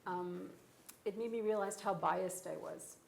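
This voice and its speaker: Gravelly-voiced woman in an echoey room. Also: medium pitch, measured pace. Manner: earnest, reflective, with frequent ums. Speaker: physician panelist. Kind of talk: panel discussion, personal account. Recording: echoey room with faint noise.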